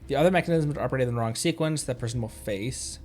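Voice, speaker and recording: A man's voice: medium pitch, racing, darkish tone. A man livestreaming a game, chatting casually and reading dialogue aloud in a playful, rambling way. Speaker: streamer. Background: faint game music.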